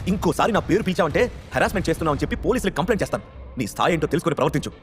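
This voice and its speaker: A man's voice: a little high, animated, racing, long reverb tail, soft background music, close to an everyday voice. A man doing a proud, angry young woman. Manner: sharp, dismissive, shouting.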